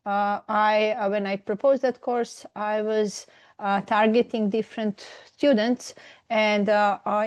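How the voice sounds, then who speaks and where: Serbian-accented woman, halting academic talk. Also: mid-range voice, darkish tone, dry recording. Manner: halting, many fillers and restarts. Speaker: professor. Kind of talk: academic webinar presentation.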